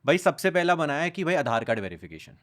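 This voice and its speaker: A young man, a podcast guest, talking in a casual conversation and telling animated stories as he switches between Hindi and English. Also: a little high, fast talker. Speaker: podcast guest, content creator.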